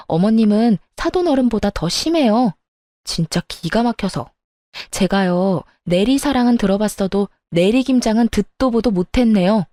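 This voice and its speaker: A woman's voice: medium pitch, no room sound, clean studio sound, natural voice. A woman playing a fed-up young wife who talks back sharply to her in-laws, in a story radio drama. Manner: sharp, retorting.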